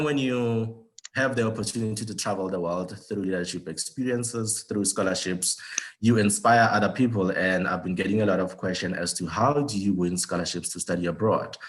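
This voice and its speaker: A man with a somewhat low voice introduces speakers at an online seminar. He talks loosely, with many fillers and restarts. The sound comes over a video call. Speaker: webinar host.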